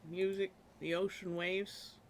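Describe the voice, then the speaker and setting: A woman streaming a game from her room at home, chatting casually with many fillers and a slightly hoarse voice from a cough. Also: lowish voice, level tone, takes it slowly, faint music behind. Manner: chatty, rambling with many fillers, laughs often. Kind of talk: casual chat while gaming.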